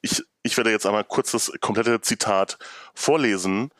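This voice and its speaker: Low-voiced man, dry close sound, thoughtful guest. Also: normal speed, a bit bright, dry recording. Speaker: podcast guest. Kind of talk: casual reflective chat.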